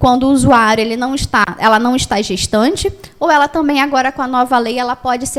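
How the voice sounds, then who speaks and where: Over noticeable background noise, a woman with a high voice talks at a moderate pace with ordinary pitch variation. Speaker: nurse and women's health coordinator. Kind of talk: lecture.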